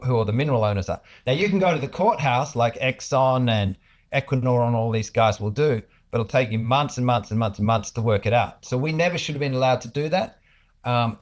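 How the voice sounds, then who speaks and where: A man with an Australian accent speaking as an executive guest in an informal business interview, explaining things in a hesitant, conversational way. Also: medium pitch.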